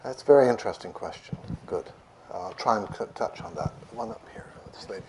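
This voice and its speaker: Soft-spoken guy teaching, lowish voice, stumbles and restarts a lot, faint hiss. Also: wildly swooping pitch, quick pace, vocal fry, poor audio. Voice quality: notoriously soft voice. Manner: gentle, repeats and restarts words. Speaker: meditation teacher. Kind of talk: answering audience questions. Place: lecture room with an audience. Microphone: microphone.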